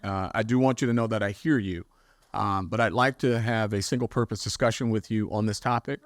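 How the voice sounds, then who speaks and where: A man's voice: on the low side, fairly even intonation, a little fast, no echo. A man who is a police chief, giving remarks at a press conference with many fillers and restarts. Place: city press briefing room.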